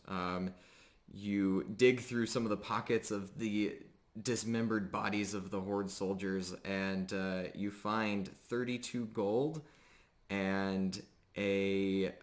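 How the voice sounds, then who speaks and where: A man with a low voice narrates a tabletop roleplaying game. As game master he describes scenes off the cuff, in a halting, explanatory manner.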